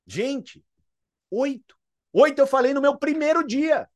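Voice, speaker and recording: A man's voice: extremely high pitch, unhurried, a little mellow. A male sales mentor with a Brazilian accent gives a fired-up motivational talk. He hammers his points home with emphatic repetition, pressing the same phrase again and again. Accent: Brazilian Portuguese.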